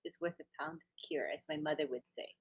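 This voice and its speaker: A woman's voice: sits low, fairly even intonation, fast, husky. Friendly older woman co-hosting a chat. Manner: friendly, laughs easily, warm greetings to viewers. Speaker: co-host of a live chat stream. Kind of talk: casual live-stream chat.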